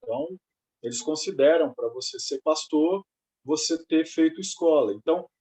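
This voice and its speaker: A man's voice: a little high, normal speed, warm tone, slightly rough, poor audio. A man talking hesitantly in a casual group discussion, often restarting his sentences. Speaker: study group participant.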